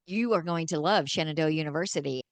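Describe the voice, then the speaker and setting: A woman's voice: low voice, quick pace, no room sound. A woman hosting a radio show, chatting with a guest over a video call and asking friendly questions.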